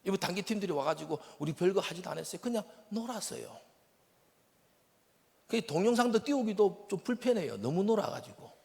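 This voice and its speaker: A man with a Gyeongsang accent preaching a sermon as a missionary, shifting from loud bursts to hushed whispers. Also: high-pitched, lively intonation, brisk, gravelly. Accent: Gyeongsang Korean. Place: church sanctuary. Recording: long reverb of a church hall.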